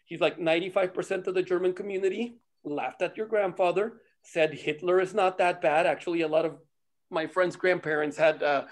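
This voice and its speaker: A man from Costa Rica, a native Spanish speaker, tells stories casually in an animated, digressive way and swears freely. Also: high voice, fairly quick. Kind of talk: casual chat, storytelling.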